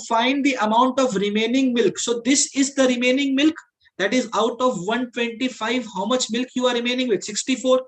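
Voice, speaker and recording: An aptitude teacher with a South Asian accent speaks in a very high, fairly bright voice over poor audio. He takes his class through the lesson step by step, repeating points, mixing English with Hindi and often asking questions to check understanding.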